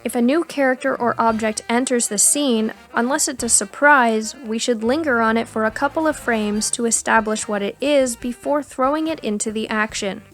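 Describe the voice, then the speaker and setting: A woman with a fairly high voice reads a scripted tutorial. She explains things in a clear, instructional way, with music playing behind her. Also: normal speed, hardly any pauses, fairly bright tone. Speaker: tutorial narrator. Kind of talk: scripted educational narration.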